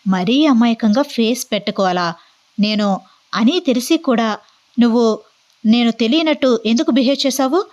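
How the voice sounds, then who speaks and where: A woman's voice: fairly high pitch, darkish tone, close to an everyday voice. A woman voicing a brash, arrogant young man who fires off accusing questions in a storybook reading. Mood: demanding. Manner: bossy, rapid-fire interrogating.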